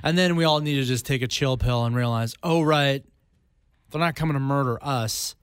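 A man's voice: medium pitch, moderate pace, smooth, no room sound. Playful male radio co-host, dry studio. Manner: chatty, jokey, playful exaggeration. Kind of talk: casual radio chat.

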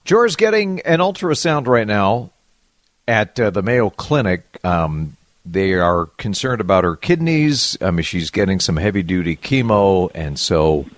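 Male radio host with very animated pitch. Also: a little slow, dry recording. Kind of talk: casual radio talk.

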